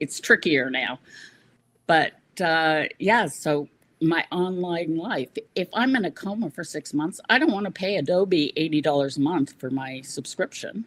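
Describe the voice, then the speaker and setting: With an ordinary speaking voice, a woman talks at a fairly slow pace and fairly low pitch with lively intonation, in a dry, close sound with no echo on a very clean recording with a silent background. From Canada, Ottawa. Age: 60s. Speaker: graphic designer and family caregiver. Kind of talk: interview.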